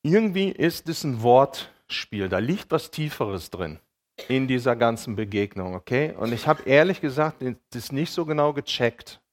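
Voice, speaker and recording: A man preaching a sermon in a casual, colloquial way, often checking in with his listeners with short tag questions and retelling dialogue as lively acted quotes. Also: medium pitch, normal speed. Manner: colloquial, keeps checking in with "ja?" and "okay?".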